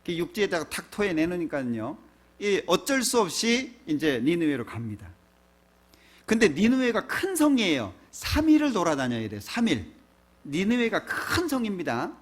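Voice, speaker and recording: A man's voice: sits high, a bit bright. A man pastor giving a sermon in a church, preaching conversationally with frequent rhetorical questions to the congregation.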